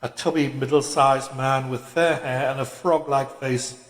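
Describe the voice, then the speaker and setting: A man narrates a novel at a medium pitch. His phrasing is measured and deliberate, in a scripted literary style. The room is very echoey, with a long reverb on the voice. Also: steady tone. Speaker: audiobook reader.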